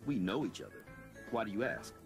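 A middle-aged small-town cop, chatty and a bit preachy, voice rising and falling a lot. soft music plays behind him in this game scene. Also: male voice, lowish voice, very animated, a little fast, gravelly. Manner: friendly, gossipy, preachy. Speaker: police officer.

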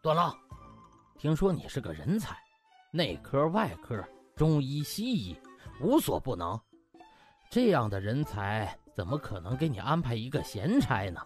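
A man's voice: mid-range voice, sing-song, measured pace. Pompous, officious hospital deputy director played by a male narrator, icy and controlled, audiobook drama with music behind. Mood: cold, accusing. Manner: stiff, officious, throat-clearing.

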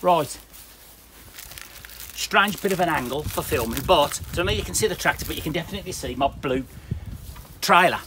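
A man's voice: fairly high pitch, expressive, fairly quick, pauses often, background noise. A man from the UK chatting bluntly and rambling to a handheld camera outdoors in his garden. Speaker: smallholder vlogger. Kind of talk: casual chat to camera.

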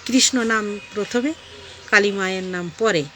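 A woman vlogger scolds someone in a long monologue to camera. Her voice is bright and cutting, and her tone is preachy. A faint noise sits in the background. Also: mid-range voice, a little slow. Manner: sharp, preachy rebuke that mixes in devotional chants. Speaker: online vlogger.

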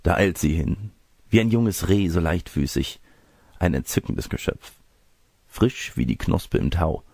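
Ein Mann spricht einen lüsternen, schwülstigen bösen Zauberer in einem Märchen, schmeichelnd und durchtrieben. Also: male voice, low voice, lively intonation, a little slow, creaky, a little mellow, husky, dry recording, heavily acted. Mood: scheming, enraptured. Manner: florid, gushing, sly. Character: lecherous, pompous male evil sorcerer seducer.

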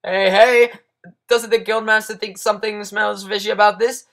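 Man as an excitable, jumpy crayfish creature. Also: high voice, normal speed. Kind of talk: character voice audition.

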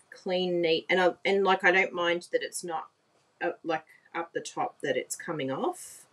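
A woman's voice: lowish voice, a bit bright, slightly rough, poor audio. A woman, chatting through a live craft demonstration, exclaiming and laughing often and asking viewers if they agree. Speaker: papercraft demonstrator. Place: indoor craft room at a desk.

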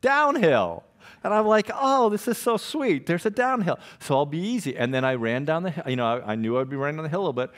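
A man in his forties preaching a sermon as pastor, telling stories with lively gestures and acting out his own reactions. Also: on the high side, fast. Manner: animated storytelling, gestures widely, acts out his own reactions. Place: church stage with purple backlit wall.

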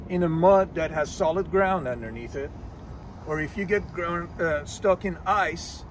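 A man's voice: on the high side, slight background noise. Older man explaining cars, methodical. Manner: plain, methodical explaining with small slips. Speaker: master diagnostic technician. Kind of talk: explaining car features to camera. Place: outdoors in a dealership parking lot, then inside a car.

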